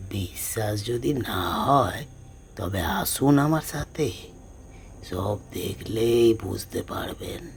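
A man's put-on character voice, raspy and medium-pitched, at a very slow pace over clear background noise. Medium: audio drama. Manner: mysterious, slow.

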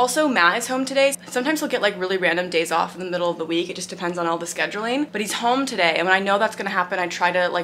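A woman's speech rushes by at a very fast pace, with light background noise underneath. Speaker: vlogger. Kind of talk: casual vlog chat. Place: home room. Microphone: phone near.

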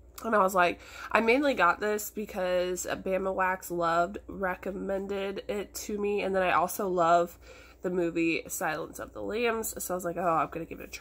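A woman at a moderate pace, with fairly even intonation. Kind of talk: casual product review chat. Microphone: phone near.

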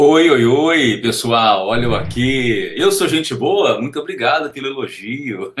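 At a fairly slow pace, a man talks with hardly any pauses. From Rio de Janeiro, Brazil. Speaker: voice actor. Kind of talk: interview answer.

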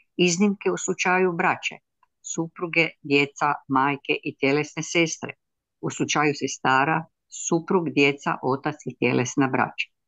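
A woman speaks at a fairly slow pace in a very deep, low pitch with fairly even intonation. The sound is dry with no echo, and the background is quiet. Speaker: congregation member. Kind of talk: reading aloud. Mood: solemn and devotional. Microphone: video call.

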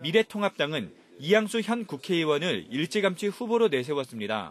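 A high-pitched man at a moderate pace, very wide pitch swings, dry, close sound with no echo, and a quiet background. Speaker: news reporter. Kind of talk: news reading. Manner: formal.

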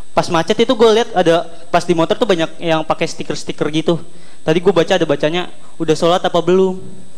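A man speaks at a very fast pace in a high voice. His intonation stays fairly even, with a quiet background. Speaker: stand-up comedian. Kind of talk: stand-up comedy. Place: stage. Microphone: handheld.

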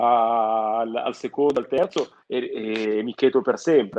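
A man against light background noise. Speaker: co-host. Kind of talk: casual chat, live reaction. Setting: phone call. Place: home room. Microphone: video call.

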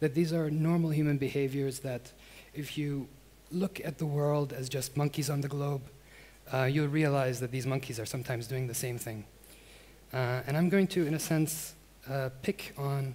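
With a dark, mellow tone and a somewhat breathy quality, a man talks at a moderate pace using fairly even intonation. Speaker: conference speaker. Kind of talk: lecture. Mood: relaxed, humorous. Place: stage. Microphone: headset.

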